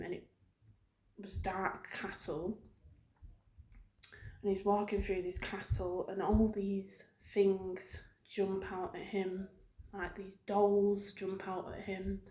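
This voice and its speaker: A woman speaking softly in an ASMR style, rambling gently and haltingly as she talks to her viewers. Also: medium pitch. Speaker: video creator hosting her own channel. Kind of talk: soft-spoken ASMR ramble about video games. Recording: roomy, echoing sound.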